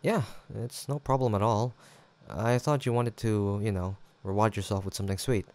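A man's voice: fairly low pitch, steady tone, moderate pace, darkish tone, lightly acted. A young man acting an easygoing, teasing, affectionate student roommate in an intimate, casual roleplay audio drama, with hesitant banter. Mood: gentle, shyly caring. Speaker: voice actor.

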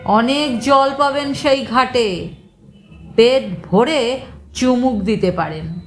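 A woman voicing a booming, scornful village man. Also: takes it slowly, soft background music. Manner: curt and scornful.

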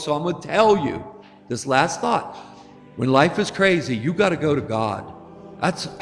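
Older priest, slightly high voice, unhurried homily, echoing church. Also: male voice. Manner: gentle, storytelling, chuckles at his own jokes. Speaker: Catholic priest. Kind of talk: sermon.

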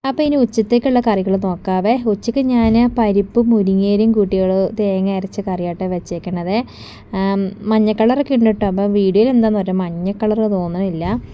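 A woman's voice: mid-range voice, fairly quick, dark tone, slight background noise. A woman vlogger and mother chatting casually through her day, homely, often ending sentences with a friendly tag. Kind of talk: casual daily vlog narration.

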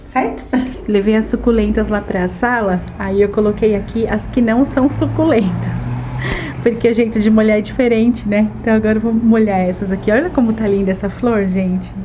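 A woman's voice: mid-range voice, fairly even intonation, fairly quick, background noise. A young Brazilian woman vlogging chores at home, speaking in a chatty, upbeat way straight to her viewers and recorded on a handheld camera mic. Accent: Brazilian Portuguese. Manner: chatty and upbeat, often addressing viewers directly. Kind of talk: casual home vlog, showing chores. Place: small apartment bedroom and bathroom indoors. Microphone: handheld wide-angle camera mic.

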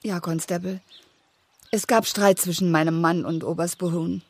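Anxious, breathy village wife. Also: female voice, on the low side, fairly even intonation, moderate pace. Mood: anxious, evasive. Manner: hesitant, pleading. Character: anxious, distressed village wife, loyal and timid. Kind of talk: German radio play acting.

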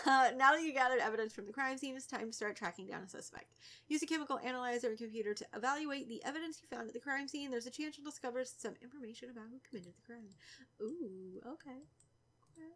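Young woman w a stuffy cold nose, bit raspy, fairly high voice, chatty gaming commentary. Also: fast, pushed and bright. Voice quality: slightly raspy. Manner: chatty, teasing the game characters. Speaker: gaming YouTuber. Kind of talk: casual let's play commentary.

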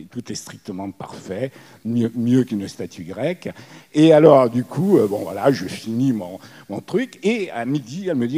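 A man's voice: on the low side, warm tone, breathy edge. Italian-accented man in his sixties. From Italy. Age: 60s. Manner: storytelling, many fillers and restarts. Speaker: panel guest. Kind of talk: anecdotal panel talk. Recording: hall reverb.

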